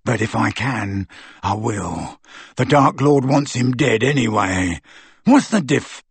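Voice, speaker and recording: Man acting a thuggish, slow-witted teenage henchman, surly. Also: medium pitch, sing-song, breathy edge, no echo, full character voice. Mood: furious. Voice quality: soft, dull-toned. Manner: ungrammatical, surly, belligerent.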